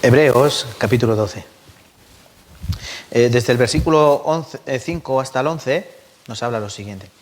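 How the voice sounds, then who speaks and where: A man's voice: mid-range voice, unhurried, long pauses, a little hiss or hum. A man preaching a sermon as pastor, often asking the congregation questions. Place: church.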